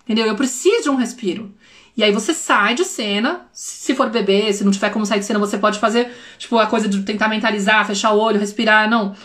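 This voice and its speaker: A woman's voice: medium pitch, steady tone, fast, fairly bright tone. A woman in her thirties, a parenting educator hosting a live stream, talking casually and expressively and often turning to her viewers.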